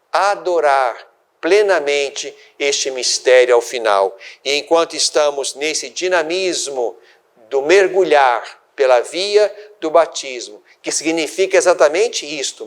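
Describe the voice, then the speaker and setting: An older man from Brazil, a bishop hosting a religious program, giving a sermon-like reflection in slow, deliberate, measured phrases. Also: on the high side.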